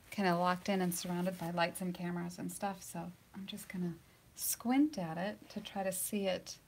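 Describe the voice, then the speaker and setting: A woman painting instructor giving a live painting demonstration, chatty and laughing often, sometimes dropping to a soft near-whisper as she works, in a studio surrounded by lights and cameras. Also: on the low side, slight background noise.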